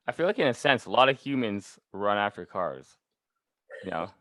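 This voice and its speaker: A man's voice: lowish voice, very animated, moderate pace, fairly bright tone. A man with a Canadian accent co-hosting a podcast in a casual, chatty style. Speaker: podcast co-host. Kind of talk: casual chat.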